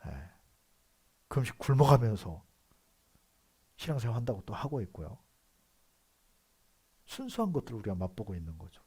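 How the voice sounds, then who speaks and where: Husky-voiced Korean pastor preaching. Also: male voice, lowish voice, very animated, normal speed, long pauses. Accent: Seoul Korean. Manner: conversational preaching with frequent affirming "yes" asides; swings between soft asides and loud emphatic outbursts. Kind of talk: sermon.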